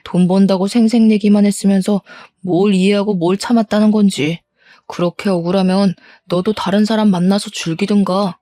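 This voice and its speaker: A woman's voice: medium pitch, fairly even intonation, moderate pace, dark tone, dry recording, natural voice. A woman voicing a cheating middle-aged husband who turns the blame on his wife. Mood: defensive scorn. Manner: dismissive, scolding.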